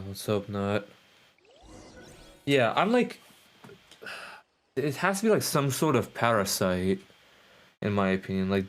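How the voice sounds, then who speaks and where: A man chatting casually over gameplay as a streamer, musing aloud and circling back over phrases. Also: fairly low pitch. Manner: musing, repeats phrases, hesitant. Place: live stream with game audio behind.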